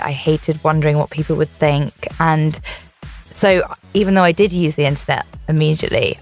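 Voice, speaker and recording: Low-voiced young woman, candid and chatty. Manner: candid, chatty, laughs easily. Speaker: singer guest. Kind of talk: radio interview chat. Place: radio studio.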